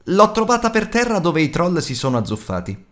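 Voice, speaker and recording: A man voicing a small, eager hobbit with a lifted, higher voice than his reading tone. He sounds hesitant and tentative, a timid storybook hero in an audiobook. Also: sing-song, fairly quick, fairly bright tone.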